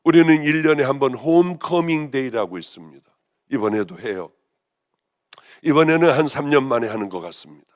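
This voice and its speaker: A woman pastor with a hoarse voice, preaching a sermon with passion, rising to loud exclamations and then dropping to hushed, almost whispered lines. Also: deep voice. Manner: impassioned, swinging between raised exclamations and hushed near-whispers.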